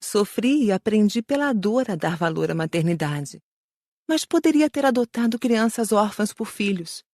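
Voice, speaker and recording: A woman's voice: mid-range voice, sing-song, normal speed, a little mellow, no echo, clean studio sound. A woman playing a remorseful female spirit in a dramatised audiobook, confessing in a reflective way.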